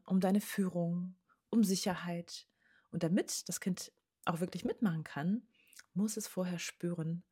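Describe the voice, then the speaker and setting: A woman's voice: on the low side, dark tone. A woman, speaking directly to parents as a parenting coach in an earnest advice talk, often dropping to a near-whisper.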